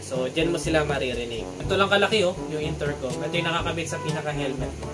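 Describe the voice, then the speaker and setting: A man's voice: a little high, quick pace, poor audio. A Filipino man talking casually and chattily as a vlogger doing an unboxing review, mixing in English terms. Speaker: motorcycle vlogger and product reviewer. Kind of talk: casual unboxing vlog talk. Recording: music playing behind the voice. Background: prominent guitar music.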